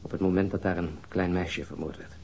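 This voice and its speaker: An actor in a radio drama playing a reserved, awkwardly polite police detective, formal, terse and hesitant. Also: male voice, deep voice, flat delivery, a little fast, a little mellow, a little hiss or hum. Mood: formal, probing. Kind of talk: radio drama acting, naturalistic dialogue.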